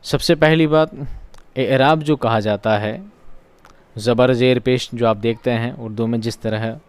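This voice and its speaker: A man leads an exam-prep lesson. He asks a question, answers it himself, and repeats each key word so it sticks. His voice is smooth and resonant, recorded close and dry. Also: mid-range voice, steady tone, a little slow, no echo. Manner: repeats key words for drilling. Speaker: online teacher.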